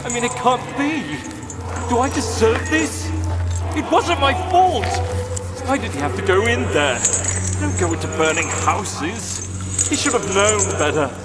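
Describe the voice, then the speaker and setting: A man's voice: sits high, very animated, measured pace, pauses often. An actor playing a distraught, trapped man who exclaims and pleads in guilty despair. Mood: anguished. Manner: agitated, exclaiming. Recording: loud music over the voice.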